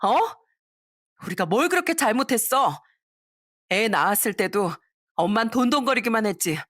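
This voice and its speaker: A woman's voice: fairly high pitch, expressive, moderate pace, no echo, clean studio sound. Woman doing a furious, accusing wife. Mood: angry. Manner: sharp, accusing, shouting. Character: furious young wife scolding her mother. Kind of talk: storybook reading.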